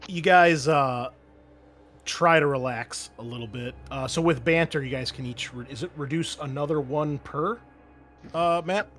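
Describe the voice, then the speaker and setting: A man's voice: on the high side, measured pace, fairly bright tone, soft background music. A man running a tabletop game as game master, improvising narration in an informal way.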